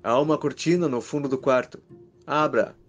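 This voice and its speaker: A man's voice: mid-range voice, moderate pace, faint music behind, lightly acted. Horror story villain: male narrator as cold man, dry, commanding, threatening delivery. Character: cold, menacing man, a vengeful jealous husband with revolver.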